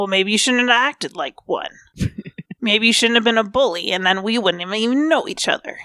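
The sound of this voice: This put-on character voice is whiny, with a whiny tone and fairly high pitch. It moves at a fairly quick pace.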